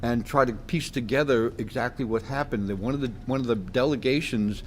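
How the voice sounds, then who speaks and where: A man who is a guest at a hotel convention, recounting events in a measured way with small restarts. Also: mid-range voice, slight background noise.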